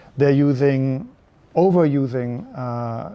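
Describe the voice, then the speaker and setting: The speaker is a man. He has a German accent. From Germany. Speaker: detox retreat organizer. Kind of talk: interview.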